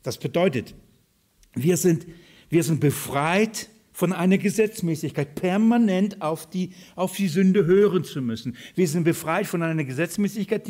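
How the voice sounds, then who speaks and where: Lively preaching man, fairly high voice. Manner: lively preaching, rhetorical questions, swings between loud and soft. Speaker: pastor. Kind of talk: sermon.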